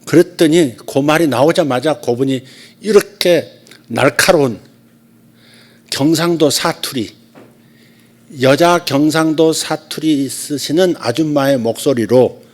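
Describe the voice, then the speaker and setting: A man who is a pastor, giving a conversational sermon at a church service, telling stories and swinging between loud and soft speech. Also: fairly high pitch, unhurried, pauses often.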